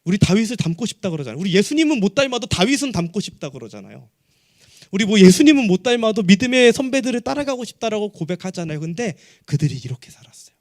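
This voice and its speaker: Man, pastor, sermon, high voice, animated pitch, chatty questions to the congregation. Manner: conversational preaching, asks the congregation questions. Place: church sanctuary.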